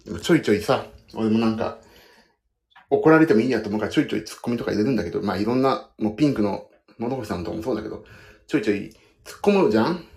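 Man, casual rambling chat, lively up-and-down pitch, mellow tone, echoey bathroom. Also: rapid-fire, gravelly. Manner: chatty, animated storytelling with self-mocking asides. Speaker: pianist and audio podcaster. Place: bathroom, in a foot bath.

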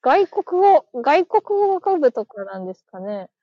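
A woman's voice: sits high, big pitch swings, unhurried, no room sound, muffled recording. A woman hosting a casual live stream, chatting, laughing and reading listener comments aloud as she thanks each viewer. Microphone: phone.

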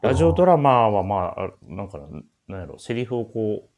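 A man's voice: lowish voice, big pitch swings, a little fast, a little mellow. A man with a Kansai accent hosting a casual chat show, teasing and quipping back. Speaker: radio show host.

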